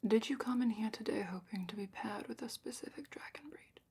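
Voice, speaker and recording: A woman playing a calm, patient dragon keeper guiding a student, in a gently wry, soft whisper for a fantasy ASMR roleplay, close to the microphone. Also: on the high side, fairly quick. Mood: calm, instructive. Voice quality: breathy whisper and soft-spoken murmur.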